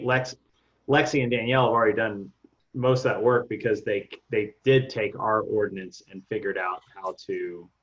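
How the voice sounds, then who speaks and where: Man, lowish voice, meeting chair, halting and filler-heavy, muffled lo-fi audio. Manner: halting, many restarts and fillers. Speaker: board member leading the meeting. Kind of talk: casual meeting discussion.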